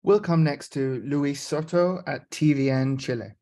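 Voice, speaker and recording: A man's voice: on the high side, unhurried, warm tone. A man moderating a conference call, briefly and formally introducing the next questioner.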